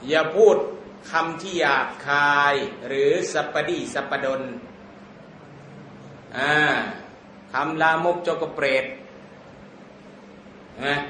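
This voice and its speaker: A man teaching an Islamic text, drawing out Arabic words slowly, then explaining them in casual, joking talk. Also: a little high, pushed and bright, echoey room, slight background noise. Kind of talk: Thai lecture explaining an Arabic hadith text.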